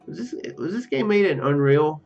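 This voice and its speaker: A man giving casual, halting commentary as he plays through a game, musing aloud. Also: a little high, expressive, a little mellow, highs cut off, soft background music. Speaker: gaming video host.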